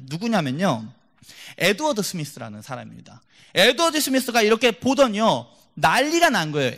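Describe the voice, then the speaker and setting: A man preaching a sermon in church, telling stories with lively, acted-out voices and dropping from loud to hushed. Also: high-pitched. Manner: animated storytelling, acts out quoted voices, swings from loud to hushed.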